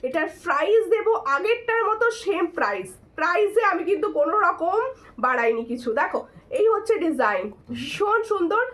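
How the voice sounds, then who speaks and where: A hoarse woman runs a live-stream jewelry sale in a high, lively voice. She talks chattily and repeats her pitch over and over, thanking viewers by name and urging them to take screenshots. Her delivery swings up and down as she shows each piece. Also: moderate pace.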